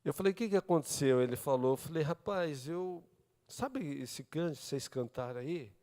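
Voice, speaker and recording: A Brazilian man preaching a sermon, telling his own story and acting out the dialogue, swinging between loud and hushed speech. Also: on the high side, lively intonation, normal speed, in a large hall. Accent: Brazilian Portuguese. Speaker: pastor. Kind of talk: testimony sermon. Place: church service.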